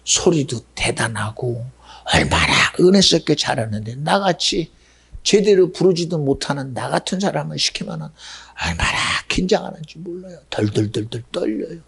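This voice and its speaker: A pastor delivering a sermon in a lively, conversational way, often asking his congregation questions. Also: on the high side, normal speed, creaky, husky. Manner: animated, conversational preaching with rhetorical questions. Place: church sanctuary.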